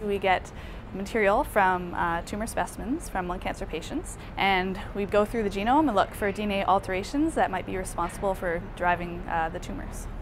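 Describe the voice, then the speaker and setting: Against music in the background, a woman speaks at a moderate pace with hardly any pauses and ordinary pitch variation. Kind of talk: interview answer. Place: office. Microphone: lapel.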